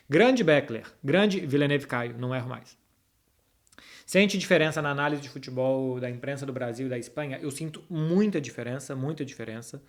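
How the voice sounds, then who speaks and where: His voice is mid-range and gravelly, with a Brazilian Portuguese accent, as he hosts a relaxed football chat for his followers. Addressing them directly and informally, he answers their football questions and gives analysis.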